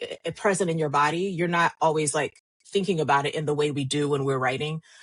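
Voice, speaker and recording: With an American accent, a woman in an ordinary speaking voice talks at a moderate pace, her fairly low pitch carried by fairly even intonation. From US South. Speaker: author and spoken word poet. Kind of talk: interview conversation.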